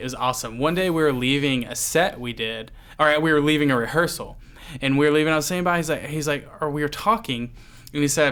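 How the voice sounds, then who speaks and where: The speaker has an American accent and talks very fast. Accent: Southern (Louisiana), comes out sometimes. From US South, Louisiana. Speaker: podcast co-host, worship musician. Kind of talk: casual chat.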